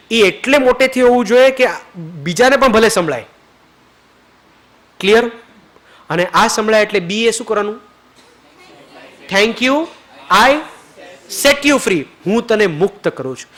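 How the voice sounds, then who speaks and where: High-voiced man guiding a forgiveness ritual. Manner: keeps checking if everyone is clear, mixes English phrases in; drops soft and low when leading prayer. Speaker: spiritual teacher leading a retreat.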